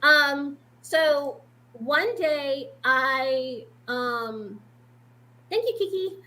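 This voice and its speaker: Interview guest, woman from Boston, high bright voice, rambling and chatty. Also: lively intonation, extremely slow, poor audio. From Boston, Massachusetts. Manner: chatty, rambling, with many fillers and frequent laughs. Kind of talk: casual interview talk.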